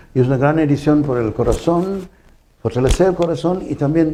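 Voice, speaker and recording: This voice has a Tamil accent and a dark, mellow tone. Its pitch varies an ordinary amount. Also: man. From Sri Lanka. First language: Tamil (speaking Spanish). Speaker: poet. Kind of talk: interview. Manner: halting.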